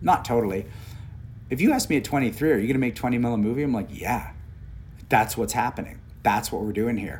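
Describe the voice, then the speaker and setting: A man with a Canadian accent and vocal fry talks at a very fast pace, broken by long, frequent pauses. His pitch is medium, with ordinary variation. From Canada, Ontario. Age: 40s. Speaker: actor and acting teacher. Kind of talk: casual interview. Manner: animated.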